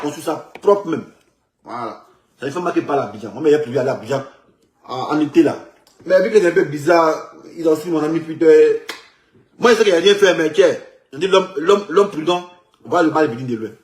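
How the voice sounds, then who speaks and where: A man with an Ivorian French accent rambling through animated street commentary, repeating his words as he goes. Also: fairly high pitch, a little fast, echoey room. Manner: animated, repetitive, loops back on his words. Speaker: man in a circulated video clip.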